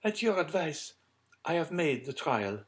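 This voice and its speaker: A man's voice: on the high side, big pitch swings, a little slow, pitched above the performer's own voice. A man voicing a haughty, sly society lady in a storybook, genteel and pointed in manner. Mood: composed, sly.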